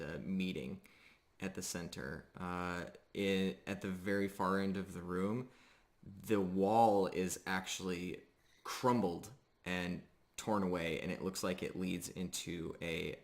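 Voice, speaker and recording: A man working as game master, narrating a tabletop roleplaying game in an improvised, halting, descriptive way. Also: deep voice.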